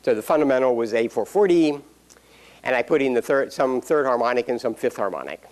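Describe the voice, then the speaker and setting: Male professor, mid-pitch, casual classroom delivery, dry humor, lots of fillers. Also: animated, fairly quick, a little mellow. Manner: explanatory, dry jokes, frequent fillers. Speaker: university lecturer. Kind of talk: classroom lecture.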